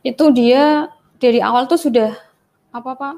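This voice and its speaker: A woman's voice: high voice, moderate pace, creaky. A young woman, telling a personal testimony in casual talk and acting out the voices in her story. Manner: animated, acts out the dialogue of her story. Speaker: guest giving a testimony.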